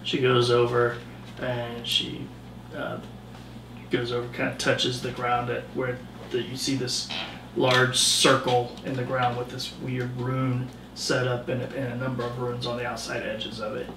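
A man's voice: medium pitch, monotone, unhurried, vocal fry, noisy background. Male game master, loose scene-setting with fillers; mic sits well back from him. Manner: loose descriptive narration with many fillers. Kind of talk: narrating a tabletop game. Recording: roomy distant recording.

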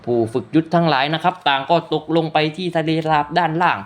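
A man with a fairly high, fast voice narrates a loose retelling of a fantasy story. He is polite, adds frequent polite particles, and often corrects himself.

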